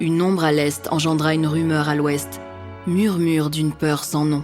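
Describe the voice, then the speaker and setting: Music plays in the background as a woman with a very deep, low pitch speaks at a fairly slow pace. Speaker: voice-over artist. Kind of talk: narration demo, epic fantasy story prologue.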